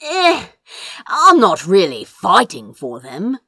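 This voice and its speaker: A defiant, sardonic sorcerer in a fantasy audiobook, played by a woman reader. He is flippant and drawls his dry sarcasm, unhurried, with a lively, mobile pitch. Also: breathy edge, dry recording, exaggerated voice. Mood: frank, weary. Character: insolent, sardonic male sorcerer, defiant and weary.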